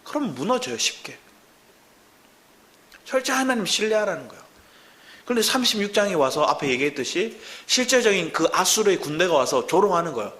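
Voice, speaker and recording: Male pastor, sermon, high voice, lively swooping intonation, rhetorical questions. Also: a little fast. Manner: animated preaching with rhetorical questions. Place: church.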